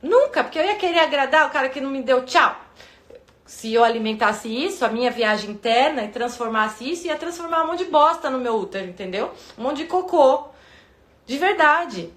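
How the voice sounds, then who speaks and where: A woman in her thirties with a Brazilian Portuguese accent, talking casually to her viewers and acting out her inner voices in sudden high bursts. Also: expressive, a little fast, fairly bright tone, echoey room. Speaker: vlogger giving relationship advice.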